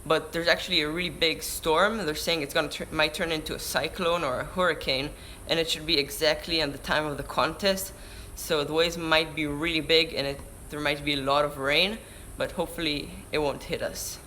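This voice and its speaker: A man's voice: a little high, steady tone, normal speed, bright, forceful tone, slight background noise. Teen guy with a Hebrew accent. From Israel. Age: teens. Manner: chatty, restarts mid-word, answers questions read aloud. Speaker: surfer vlogger. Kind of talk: live stream Q&A reading chat questions. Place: indoors by a window. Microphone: camera-mounted shotgun mic.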